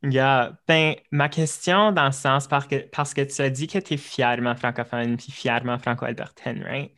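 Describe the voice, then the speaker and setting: Young man hosting, chatty, mid-pitched. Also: fairly even intonation, normal speed, fairly bright tone. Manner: switches into English mid-sentence, loose and chatty. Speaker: podcast host. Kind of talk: casual podcast chat.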